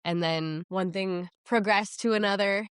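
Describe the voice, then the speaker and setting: A woman's voice: mid-range voice, fairly even intonation, unhurried, clean tone, no echo, clean studio sound. A woman in her thirties, a missionary guest speaking casually in an interview. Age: 30s. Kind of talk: conversational interview.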